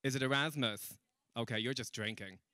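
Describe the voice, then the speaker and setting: A man's voice: medium pitch, fairly quick, sharp tone, dry recording. A young man doing a stand-up comedy set, chatty and teasing with the crowd and laughing at his own jokes. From Ireland. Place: comedy stage in a room with an audience.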